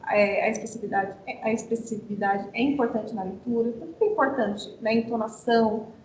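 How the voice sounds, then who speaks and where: Brazilian woman leading online teacher training. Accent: Brazilian Portuguese. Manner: explanatory, asks and answers her own questions. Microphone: video call. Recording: echoey room with faint rumble.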